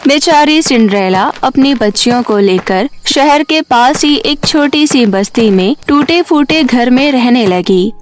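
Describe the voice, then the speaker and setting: A woman narrates a children's story from a script. Her voice is quite high. Music plays underneath the narration.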